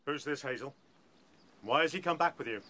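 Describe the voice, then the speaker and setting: A British man acting a bold, gruff, confrontational male rabbit fighter in a radio play. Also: on the high side, brisk, pushed and bright, slight background noise. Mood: suspicious, challenging. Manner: blunt, confrontational.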